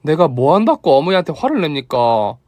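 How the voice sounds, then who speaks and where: A man voicing a generous, lively young daughter-in-law with a Gyeongsang dialect, earnest and teasing. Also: fairly high pitch, fairly quick, no echo. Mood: playful.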